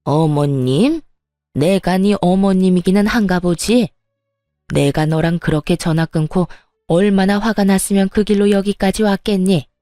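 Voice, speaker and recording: A woman's voice: mid-range voice, fairly even intonation, a little slow, dark tone, no room sound, studio quality, faint music behind, natural voice. A woman voicing a furious, spiteful older mother-in-law who berates and sneers, in a dramatized story reading. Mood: angry scolding.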